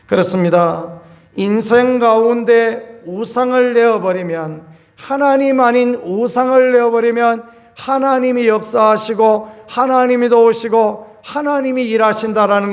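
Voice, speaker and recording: With a voice that sits high, a male pastor preaches on a Sunday, keeping things folksy and conversational as he tells stories and acts out scenes punctuated by abrupt loud outbursts.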